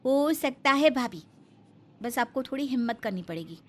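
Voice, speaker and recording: A woman's voice: high-pitched, lively intonation, moderate pace, fairly bright tone. A woman voicing an outspoken young daughter-in-law in a cartoon, pleading and defiant.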